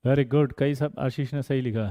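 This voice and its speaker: A man teaching a lively online chemistry lesson, teasing students by name and firing off quick prompts. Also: medium pitch, dry recording. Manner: playful, teasing students by name, rapid "jaldi batao" prompts. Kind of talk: energetic online exam-prep lesson.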